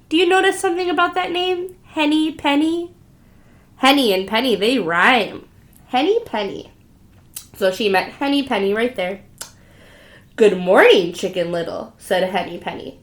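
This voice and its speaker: A woman with a high, very animated voice reads a storybook to preschoolers as their teacher. She keeps pausing the tale to ask questions, repeat words and invite answers. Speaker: preschool teacher reading aloud. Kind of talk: interactive storybook read-aloud for young children.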